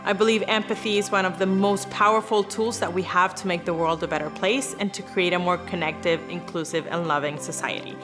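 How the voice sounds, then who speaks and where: A woman's voice: on the low side, fairly even intonation, fairly quick, few pauses. A woman from Venezuela, giving an earnest, upbeat prepared statement as an award recipient. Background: background music.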